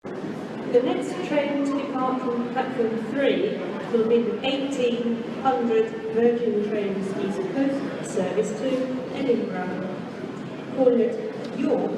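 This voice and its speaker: A woman making train station announcements over a loudspeaker, slow and measured. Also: fairly high pitch. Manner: slow, measured public address delivery. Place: large railway station. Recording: echoey hall, far off, loud station noise. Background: loud station ambience.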